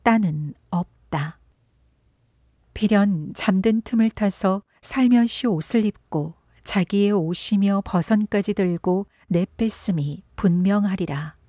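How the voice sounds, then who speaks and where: Woman audiobook narrator, gentle storytelling, warm mellow tone, slow delivery. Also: medium pitch, dry recording, studio quality. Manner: gentle, unhurried storytelling with some breathy whispered passages. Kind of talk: soft literary audiobook reading.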